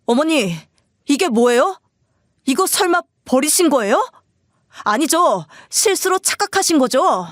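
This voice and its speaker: A woman's voice: sits high, animated, a little slow, dry recording, clean studio sound, voice pushed up. A woman voicing an upset adult son who pleads insistently with his mother, for an audio story. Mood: pleading agitated.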